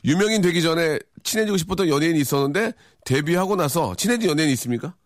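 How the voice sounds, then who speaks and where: A man's voice: fairly high pitch, expressive, rapid-fire, dry recording. A man hosting a radio show, teasing his guest in playful, joking banter from a studio mic.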